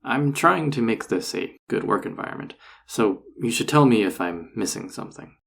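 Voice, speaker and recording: A man playing a flirty, encouraging enchanter boss in an intimate roleplay audio drama, teasing and reassuring in a husky, gravelly voice. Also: lowish voice, lively intonation, normal speed, a bit bright, a little hiss or hum, heavily acted. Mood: concerned, reassuring.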